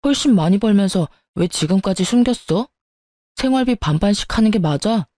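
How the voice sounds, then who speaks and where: A woman's voice: medium pitch, lively intonation, moderate pace, dark tone, close to an everyday voice. A woman voicing a greedy, demanding young husband who talks in a petulant, accusing way. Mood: whiny.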